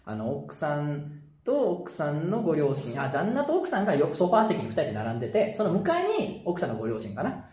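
A Kansai-accented man rattles through a late-night story at a brisk clip. His pitch jumps around in an animated way, and he keeps laughing at his own jokes. The room around him sounds echoey. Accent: Kansai Japanese. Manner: animated, jokey, chuckles through anecdotes. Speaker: podcast host. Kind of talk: casual storytelling chat. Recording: roomy echo.

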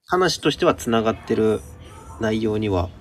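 A man's voice: fairly low pitch, expressive, moderate pace, faint music behind. A man speaking as a radio guest, introducing a book politely and a little hesitantly, phrase by phrase. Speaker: guest presenting a book segment.

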